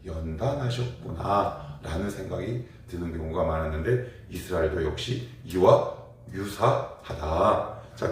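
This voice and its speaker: A man's voice: low-pitched, darkish tone. A man preaching a morning prayer sermon as pastor, explaining with rhetorical questions and acting out everyday dialogue. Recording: very echoey, mic far off.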